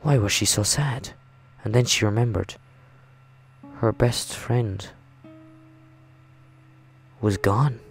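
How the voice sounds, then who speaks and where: Slow, creaky low-voiced man. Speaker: gaming video host. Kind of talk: reading visual novel narration with casual reactions. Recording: music behind the voice.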